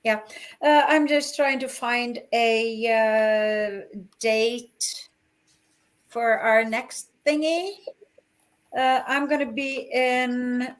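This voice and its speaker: A woman's voice: a little high, extremely slow. A woman co-hosting a livestream over a video call, chatting casually with frequent fillers and easy laughter. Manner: chatty, laughs easily, hesitant with many fillers. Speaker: co-host of a livestream.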